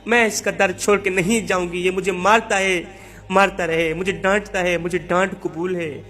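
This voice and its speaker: Brief: tearful pleading wife, read by a man, humble lament, high-ish voice. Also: fairly even intonation, bright, forceful tone.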